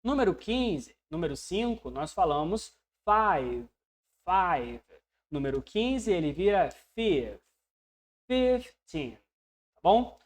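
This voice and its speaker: A man with a Brazilian Portuguese accent teaching English, who explains patiently, checks in with the learner and drills words slowly. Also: high voice, very animated. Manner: voices learners' questions to himself. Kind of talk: online language lesson.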